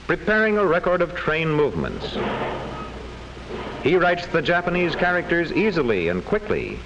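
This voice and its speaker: Animated American vintage classroom film narrator, male. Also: on the high side. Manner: formal, precise, storytelling delivery. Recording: faintly noisy old film soundtrack.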